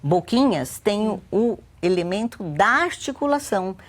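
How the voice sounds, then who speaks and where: A woman's voice: medium pitch, very animated, measured pace. A Brazilian woman educator with a Brazilian Portuguese accent, explaining a teaching method patiently and often checking in with her listener. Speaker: guest educator. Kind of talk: explanatory interview talk.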